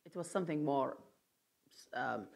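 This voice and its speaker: A man's voice: a little high, measured pace, vocal fry. Man from Iraq, Aramaic native speaker. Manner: thoughtful, with frequent restarts and fillers. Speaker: guest lecturer answering questions. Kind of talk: lecture Q&A answer.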